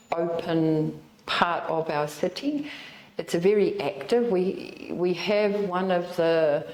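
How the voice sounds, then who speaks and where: A woman with a New Zealand accent answers interview questions in an earnest, friendly way, pausing with frequent fillers. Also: on the low side, dark tone, echoey room, low-quality recording. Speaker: institute representative.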